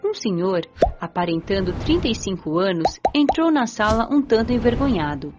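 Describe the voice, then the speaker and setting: An actress with a Brazilian accent playing a gentle, curious young spirit woman who narrates her afterlife story in an audio drama. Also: medium pitch, big pitch swings, normal speed, lightly acted. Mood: calm, recounting. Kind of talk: scripted first-person audiobook drama narration. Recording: dull lo-fi audio, music behind.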